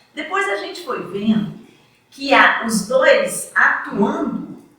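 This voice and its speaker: A woman with a high voice and lively intonation speaks amid audible room echo. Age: 60s. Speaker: spiritist lecturer, retired educator. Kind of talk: lecture.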